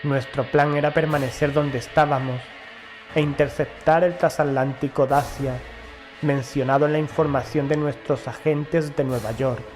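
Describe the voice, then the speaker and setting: A man reading a first-person horror story as an audiobook narrator, in a measured, formal storytelling delivery. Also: a little high, steady tone, darkish tone. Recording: music behind the voice. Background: background music.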